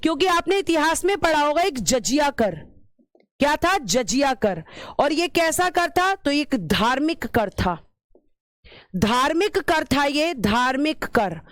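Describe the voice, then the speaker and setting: A woman's voice: high-pitched, sing-song, slow pace, no echo, studio quality. A woman teacher giving an exam-prep lecture, repeating key terms and asking and answering her own questions, calling her students "beta".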